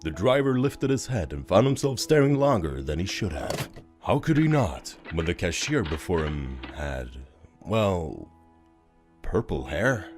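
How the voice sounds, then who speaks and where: A low-voiced man narrates a scripted story with lots of rise and fall. His delivery is dramatic and expressive, with music playing behind him.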